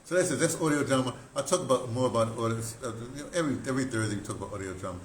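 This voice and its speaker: An older American man telling stories casually as a talk host, in an excitable, rambling way with broken, repeated phrases. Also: medium pitch, rapid-fire. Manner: excitable, animated storyteller with broken, repetitive phrasing. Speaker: radio drama producer and talk host. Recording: roomy echo, clear background noise.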